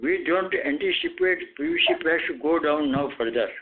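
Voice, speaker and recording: Over a narrow phone connection, a male company executive speaks with an Indian accent. His voice sits a little high, and he answers analysts in a firm, matter-of-fact way. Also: wildly swooping pitch, moderate pace. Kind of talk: answering analysts on an earnings call. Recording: narrow tinny phone line.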